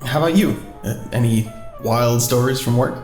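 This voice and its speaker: An easygoing guy, played by a male actor, chats like a born storyteller in an audio drama dinner scene. He is playful and casual at an average pitch. The room echoes, with music behind him. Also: normal speed, darkish tone, natural voice. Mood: amused, relaxed. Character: easygoing man telling bar anecdotes over dinner. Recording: roomy echo, music behind.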